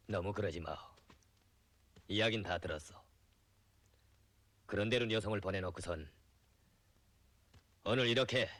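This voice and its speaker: Earnest North Korean revolutionary leader, played by an actor. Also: male voice, fairly low pitch, fairly bright tone, dry recording, natural voice. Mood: grave, subdued. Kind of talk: North Korean period film acting.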